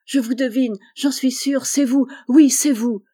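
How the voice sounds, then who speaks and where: A woman's voice: high voice, steady tone, unhurried, warm tone, pitched above the performer's own voice. A woman reading aloud, voicing a poor young boy who pours out his tearful, fervent gratitude.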